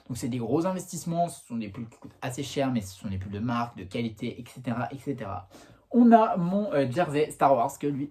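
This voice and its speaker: Young man, casual vlog, slangy and chatty, warm mellow tone, bouncy delivery. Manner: chatty and slangy, bouncing pitch, frequent fillers. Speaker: YouTuber. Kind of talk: casual vlog, showing off clothes.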